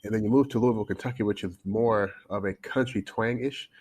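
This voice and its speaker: Chatty low-voiced Canadian-raised man. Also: steady tone, a little fast, darkish tone, slightly rough. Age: 40s. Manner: talkative, storytelling with restarts and repeated words. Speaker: guest, coach. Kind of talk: casual interview talk. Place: home in China, remote call.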